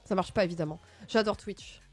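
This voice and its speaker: A woman hosting a livestream in casual chat, playful and expressive with sudden excited outbursts. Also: mid-range voice, brisk. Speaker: livestream host. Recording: faint music in the background.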